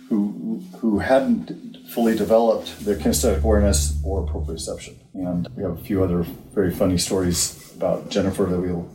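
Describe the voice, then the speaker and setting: Older man with a mellow, roomy voice. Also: on the low side, a little hiss or hum. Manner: acts out his own yelling in retold scenes. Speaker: youth fitness coach. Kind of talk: casual storytelling on a podcast. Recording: roomy echo.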